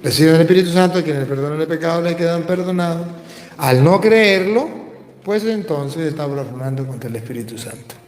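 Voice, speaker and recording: A man's voice: fairly high pitch, brisk, a little hiss or hum. A man with a Venezuelan accent, a Catholic priest teaching and answering questions in a didactic, emphatic way, repeating phrases for stress. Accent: Venezuelan Spanish. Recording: echoey hall with long reverb.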